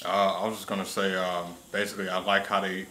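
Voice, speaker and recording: A man chatting casually as a co-commentator, informal and quick to agree with the others. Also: low voice, level tone, sharp tone. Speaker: reaction show commentator. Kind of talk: casual chat.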